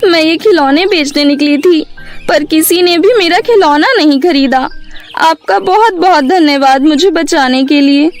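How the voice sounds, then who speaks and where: A woman voicing a poor, earnest young girl with a pleading manner in an animated moral story. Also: high-pitched, measured pace, faint music behind. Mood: tearful, grateful. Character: poor, earnest young girl selling toys, tearful and grateful.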